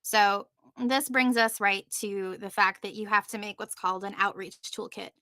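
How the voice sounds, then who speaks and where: A woman's voice: medium pitch, steady tone, normal speed, pushed and bright, no echo. A woman presenting on a panel in an informal, chatty way, often breaking off into asides. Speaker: panelist presenting on podcast marketing.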